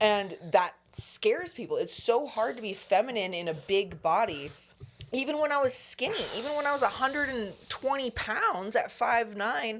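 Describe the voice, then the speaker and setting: A woman speaks at a moderate pace in a fairly high voice, her tone animated and her pitch swinging very widely. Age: 20s. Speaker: podcast co-host. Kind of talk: casual chat.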